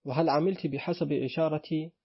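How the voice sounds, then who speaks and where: A man's voice: fairly high pitch, steady tone, a little fast, gravelly, slightly rough. A man reading a fussy, short-tempered old father. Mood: stern. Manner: stern scolding, then loud wailing grief. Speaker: audiobook reader voicing a character. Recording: dull lo-fi recording.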